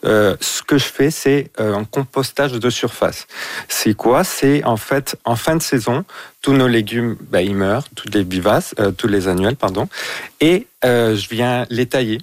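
Man guest from Mexico, mid pitch, easygoing, lots of pauses, dry booth sound. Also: no room sound. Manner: easygoing, hesitant with many fillers. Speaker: guest gardener. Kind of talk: radio interview.

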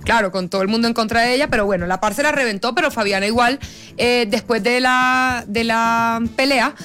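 A woman from Colombia co-hosting a casual chat show, talking in an animated, chatty way. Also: a little high, soft background music. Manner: animated, quick, chatty, mimics others. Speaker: co-host.

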